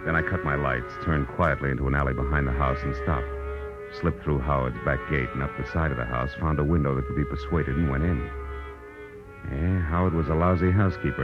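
An actor playing a wry, hard-boiled private detective with an American accent in 1940s radio drama, speaking in a clipped, sardonic, world-weary way. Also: male voice, rumbling low. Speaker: lead actor and narrator of a radio detective series. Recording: muffled vintage 1940s radio recording.

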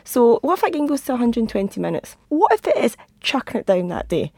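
Croaky, husky-voiced woman talking football. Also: a little high, big pitch swings, fast, a little mellow, no room sound. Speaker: podcast guest, football pundit. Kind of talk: lively opinionated football discussion. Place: podcast studio.

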